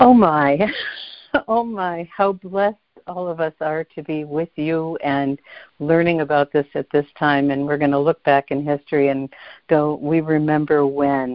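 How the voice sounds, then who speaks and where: A woman speaks in a very deep, low voice with ordinary pitch variation. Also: fairly slow pace. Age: 60s. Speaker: podcast host. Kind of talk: interview. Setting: phone call. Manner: effusive.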